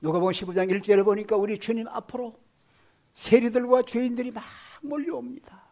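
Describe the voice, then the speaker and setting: A male pastor preaching a sermon, swinging from loud exclamations to hushed whispers and asking the congregation questions. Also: very high voice, steady tone, brisk.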